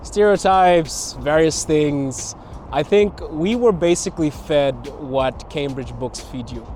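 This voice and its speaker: Slowly and reflectively, this Botswanan content creator responds to interview questions, laughing between his thoughts. His voice is fairly high with a darkish tone, recorded in a city park with slight background noise.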